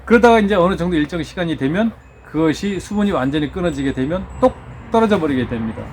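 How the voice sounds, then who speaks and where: Chatty middle-aged Korean man, slightly hoarse. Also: fairly high pitch, animated, fast, slight background noise. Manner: chatty, self-joking, many fillers and restarts. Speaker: orchid-growing channel host. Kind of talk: casual talk to subscribers. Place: indoor studio. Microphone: wearing a face mask.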